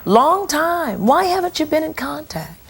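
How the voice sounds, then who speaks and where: A woman's voice: high-pitched, sing-song, unhurried, creaky, slight background noise. Woman hosting a daytime talk show. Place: television studio with audience.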